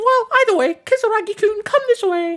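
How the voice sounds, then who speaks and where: Squeaky and pitched extremely high, this is a put-on character voice. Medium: game stream. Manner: mocking, careless.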